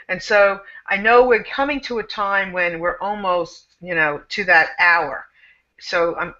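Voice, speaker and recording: A woman's voice: mid-range voice, bright, forceful tone, dull audio. A woman hosting a casual panel talk, emphatic and repetitive, running phrases together. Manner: emphatic, repeats herself, runs phrases together. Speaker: host.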